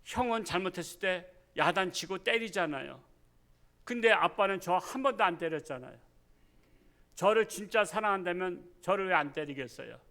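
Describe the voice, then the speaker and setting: Sulky boy who feels unloved, bright and a little high, done by a preacher. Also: lively intonation, normal speed, gravelly, exaggerated voice. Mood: complaining. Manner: sulky complaining. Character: hurt young adopted son feeling unloved.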